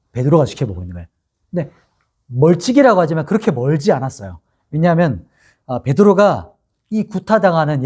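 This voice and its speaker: A middle-aged man from Korea's Gyeongsang region preaches a sermon and tells the story with lively swings of pitch. His voice is husky and mellow, and he acts out the lines of the people in the story. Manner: animated storytelling, acting out quoted lines. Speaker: pastor.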